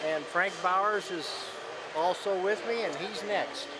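A man's voice: high voice, measured pace, heavy background noise. An older man casually introducing his club's booth to camera. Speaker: woodturning club exhibitor. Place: large exhibition hall. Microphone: handheld microphone. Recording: loud music over busy hall.

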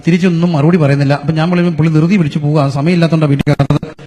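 A man's voice: on the high side, steady tone, very fast, dark tone, faint music behind. A middle-aged man from Kerala, preaching a sermon as a pastor, telling playful stories to the congregation. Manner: storytelling, playful, addresses the crowd as children. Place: church or convention hall. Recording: long hall reverb.

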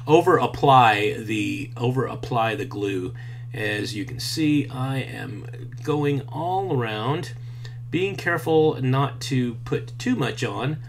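A man in his fifties walks through a craft tutorial at an unhurried pace, talking casually with frequent fillers. His voice sits at an ordinary pitch. A faint hum runs underneath the recording. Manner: relaxed and chatty, many fillers. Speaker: maker teaching a craft. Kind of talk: hands-on tutorial. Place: indoors at a workbench, later outdoors by a farm fence.

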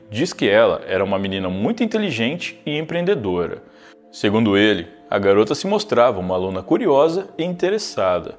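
A man, narrating a true crime case in a scripted, storytelling way as a video host. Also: fairly low pitch. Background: faint background music.

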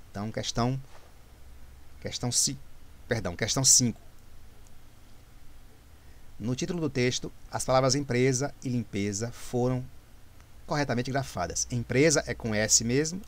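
A man, talking through exam grammar questions as a tutor, repeating himself and correcting his own slips. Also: medium pitch. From Brazil. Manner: explanatory, repeats and self-corrects, frequent "né?".

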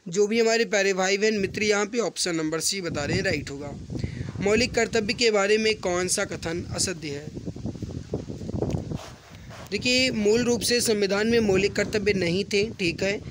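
A man teaching an exam-prep mock test online, reading out questions and answers briskly and addressing viewers as friends, often repeating himself. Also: high-pitched. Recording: rattling wind noise in the background. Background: wind noise from a storm outside.

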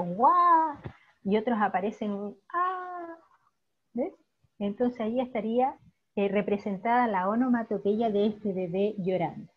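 A woman teacher with a Chilean accent giving an online class, praising her students warmly and explaining patiently. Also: medium pitch. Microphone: video call. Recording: dull lo-fi video call audio.

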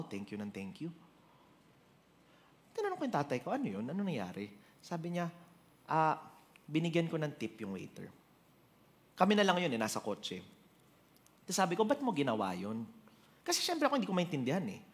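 A man preaching a sermon with a Filipino accent, telling stories in an animated way and switching between Tagalog and English. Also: medium pitch.

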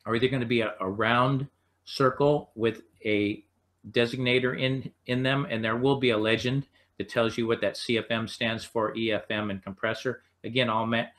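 A man with an American accent lecturing unscripted as a technical instructor, explaining step by step in halting phrases. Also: mid-range voice, fairly even intonation, a bit bright. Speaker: HVAC instructor.

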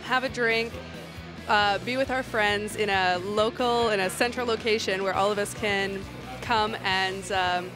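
A woman's voice: mid-range voice, fairly even intonation, unhurried, over music. A woman visiting a busy cafe, giving an enthusiastic vox pop comment into a handheld mic.

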